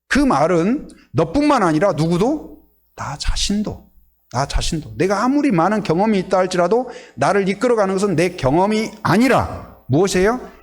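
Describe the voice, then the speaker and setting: A male pastor preaching a sermon, animated, often putting questions to the congregation. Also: high voice.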